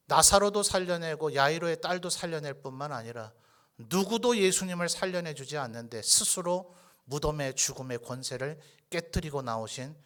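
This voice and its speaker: A male pastor delivers a Sunday sermon into a microphone in a church. His voice is bright and forceful and sits a little high. He preaches emphatically, firing questions at the congregation. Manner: drops to a whisper for tender points. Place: church sanctuary.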